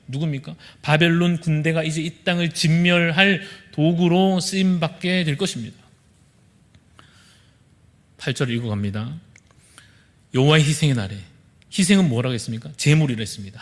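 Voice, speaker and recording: A male pastor with a Gyeongsang accent leads a verse-by-verse sermon in a church sanctuary, his voice sitting a little high for a man. He poses a question to the congregation, then answers it himself. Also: fairly bright tone. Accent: Gyeongsang Korean. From Busan, South Korea. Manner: expository preaching, asks the congregation questions and answers them.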